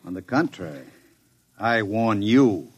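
A suave, menacing gangster. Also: male voice, lowish voice, expressive, darkish tone, dull audio. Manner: smooth, sardonic, unhurried threats. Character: suave menacing male gangster, calm and mocking. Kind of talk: 1950s radio drama acting. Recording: noisy old radio broadcast.

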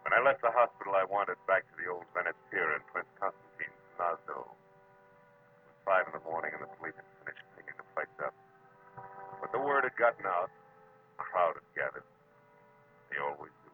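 A man's voice: sits low, expressive, a little fast, long pauses. A man acting a world-weary, hard-boiled American private detective with a wry, clipped delivery in 1940s radio drama style. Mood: brooding. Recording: muffled, noisy old radio recording.

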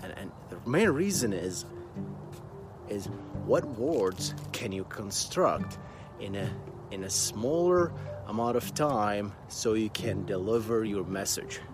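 A slow-talking man, chatting to camera about his work. His low-ish voice swings widely up and down as he restarts and repeats words. Music plays underneath him throughout. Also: very animated. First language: Arabic. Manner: halting, repeats words, many fillers. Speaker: software engineer and YouTuber. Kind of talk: casual talk to camera.

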